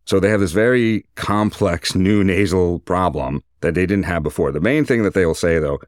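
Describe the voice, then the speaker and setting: A man's voice: deep voice, normal speed, no echo, studio quality. A man speaking as a surgeon, giving an informal, detailed medical explanation in a conversational way.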